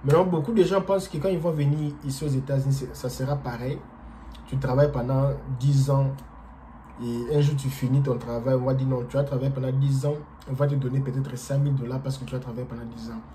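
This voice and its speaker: A man from DR Congo, not a native French speaker, talks to camera in a relaxed vlog. His voice is very dark and mellow, and his delivery is halting, full of fillers and restarts. Faint noise sits under it. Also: medium pitch. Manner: hesitant, halting, frequent fillers and repeated words. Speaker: vlogger. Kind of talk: casual explanatory monologue.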